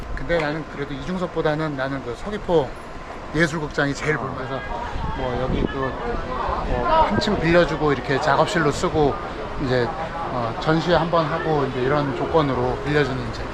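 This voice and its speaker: A man talks at a moderate pace in a fairly high pitch. Room echo is audible, and crowd noise sits in the background. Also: ordinary pitch variation. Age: middle-aged. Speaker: traveling friend explaining local sights. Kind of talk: casual chat.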